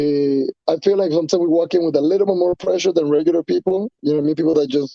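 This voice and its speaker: Talking at a very fast pace with a Spanish accent, a man with a high pitch keeps very even loudness and fairly even intonation. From Colombia (Bogotá), teens in Miami. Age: 30s. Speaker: mixed martial arts fighter. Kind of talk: casual interview chat. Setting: live podcast. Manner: halting, many repetitions and fillers.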